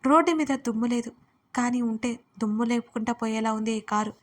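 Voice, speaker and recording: Expressive young woman storyteller, highish voice. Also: a little fast. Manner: expressive, pleading in dialogue. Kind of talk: first-person audio story narration.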